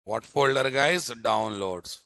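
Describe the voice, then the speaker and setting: A man's voice: mid-range voice, slow pace, creaky, sharp tone, no room sound. A man with a Telugu Indian accent teaching a live programming class, speaking emphatically, repeating phrases and often quizzing his listeners with short tag questions. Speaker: software instructor.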